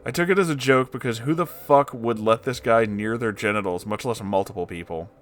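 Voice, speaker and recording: A man narrating an online story aloud in a dramatic, expressive way, with candid and sweary interjections. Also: medium pitch, fairly quick, soft background music.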